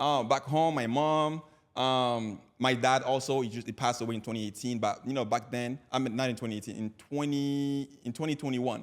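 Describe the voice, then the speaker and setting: In a very clean recording with a silent background, a man with a French accent speaks fairly quickly at a medium pitch. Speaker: entrepreneur. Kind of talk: podcast interview. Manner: animated.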